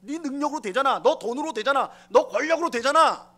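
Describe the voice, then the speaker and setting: A man's voice: very high-pitched, animated, fast talker, pushed and bright, pitched above the performer's own voice, full character voice. A man voicing a sly male devil who mocks and goads a listener to give in, pushing harder with each line. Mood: goading. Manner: mocking, goading, insistent.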